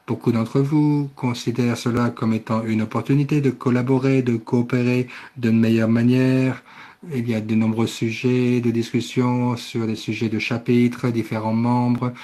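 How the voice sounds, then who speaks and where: A man interpreting a conference session live, speaking haltingly and often correcting himself. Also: medium pitch, warm tone. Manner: halting delivery with self-corrections. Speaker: simultaneous interpreter.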